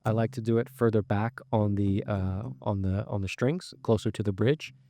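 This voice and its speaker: A man talks through a worship song on guitar in a loose, friendly-explanatory way, dropping in plenty of uh and um as he thinks. His voice is warm and mellow, and the sound is close and dry, with no room around it. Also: lowish voice, moderate pace, dry recording. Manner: relaxed, explanatory, many fillers like uh and um. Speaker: guitar teacher. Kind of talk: casual spoken guitar lesson.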